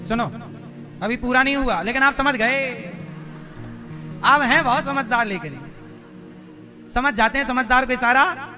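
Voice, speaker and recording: A man's voice: extremely high pitch, unhurried, pauses often, over music. A man preaching a devotional sermon, telling stories and questioning and teasing his audience. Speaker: katha preacher.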